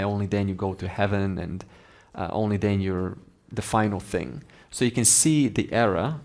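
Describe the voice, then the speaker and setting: A man giving a slow, deliberate spiritual lecture, explaining ideas with Sanskrit terms. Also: on the low side, a little mellow. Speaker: Vedanta teacher.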